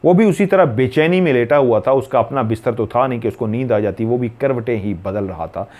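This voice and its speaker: A man's voice: medium pitch, a little fast, a little mellow. A man from Pakistan narrating a horror story in a dramatic, suspenseful way.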